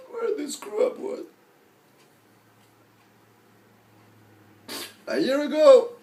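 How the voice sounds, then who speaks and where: A man performing a monologue as a neurotic, self-deprecating, lovelorn forty-year-old who rambles haltingly. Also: medium pitch. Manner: halting, rambling, full of fillers and restarts. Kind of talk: dramatic film monologue acting. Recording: roomy echo with faint background noise.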